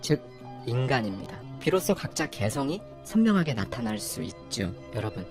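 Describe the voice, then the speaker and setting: A man's voice: medium pitch, big pitch swings, normal speed, vocal fry, music in the background. A man in his forties hosting a reflective motivational talk, speaking straight to his listeners and posing rhetorical questions. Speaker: channel host.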